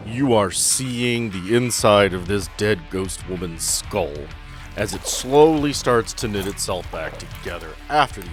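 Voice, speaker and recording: Low-voiced man running a tabletop game. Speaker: game master. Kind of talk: narrating and refereeing a tabletop game.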